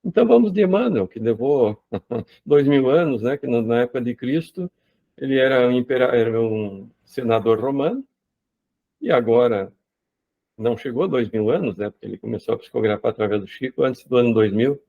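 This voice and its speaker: A man's voice: mid-range voice, animated, a little fast, gravelly. A man leading a casual group discussion over a video call, talking conversationally with frequent tag questions. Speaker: study group leader. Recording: tinny phone-like line.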